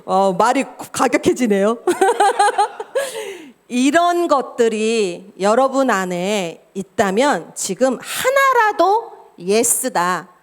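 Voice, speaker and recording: Woman pastor, middle-aged, preaching with a high, very animated voice and frequent laughter. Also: very slow. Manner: lively, laughs often, acts out quoted dialogue. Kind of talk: sermon.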